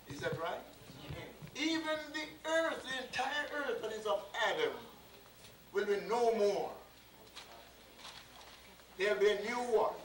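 A man talks at a fairly slow pace, with long, frequent pauses. There is audible room echo and light background noise. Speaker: preacher. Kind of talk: sermon. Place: classroom. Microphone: camera far.

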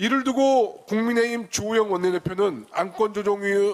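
In a quiet background, a man with a high voice speaks at a moderate pace with ordinary pitch variation. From South Korea. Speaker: lawmaker. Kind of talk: formal political speech. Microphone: podium.

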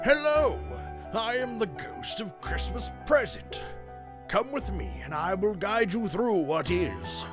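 Over clear background music, someone performs a put-on character voice at a fairly slow pace. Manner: cheerful, hearty.

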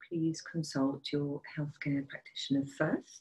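A woman with a dark, mellow tone, somewhat breathy, at a moderate pace against a quiet background. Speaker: yoga teacher. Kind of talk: instructional yoga class intro. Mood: calm, soothing. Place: home room. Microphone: camera far.

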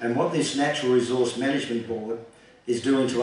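A man with an Australian accent and monotone, flat intonation, with audible room echo and light background noise. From South Australia. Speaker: advocacy group founder and farmer. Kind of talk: public speech. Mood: indignant, campaigning. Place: hall. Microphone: podium.

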